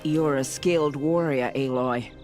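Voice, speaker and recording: A man portrays a kindly tribal warrior in a game cutscene. He speaks solemnly and respectfully at a medium pitch, with music in the background. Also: fairly even intonation, measured pace, darkish tone, natural voice. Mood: solemn, grateful. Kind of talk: video game cutscene acting.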